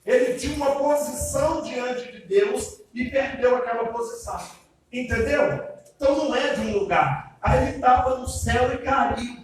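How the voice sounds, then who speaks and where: A man's voice: extremely high pitch, moderate pace. A man preaching as pastor, chatty and speaking straight to the congregation with frequent check-in questions. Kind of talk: sermon, question and answer service. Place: church hall. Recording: very echoey church hall, heard from a distance with faint noise.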